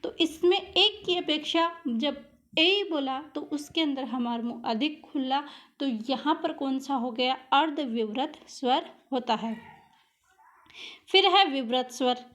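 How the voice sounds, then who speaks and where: High-voiced woman teaching grammar. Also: measured pace, a bit bright. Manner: repeats questions and answers them herself; patient, drills vowel sounds aloud. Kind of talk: Hindi grammar lesson for exam prep.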